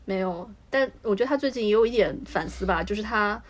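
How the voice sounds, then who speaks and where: A woman co-hosting a podcast, chatting in a relaxed, wry conversational way. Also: medium pitch, fast talker. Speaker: podcast co-host. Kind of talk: casual chat.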